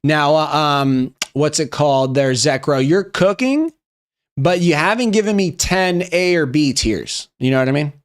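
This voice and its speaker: A man's voice: fairly high pitch, lively intonation, unhurried. A young man casually reading out viewer memes on a live stream and riffing on them, often swearing and laughing. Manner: reads memes aloud and riffs, swearing, laughing.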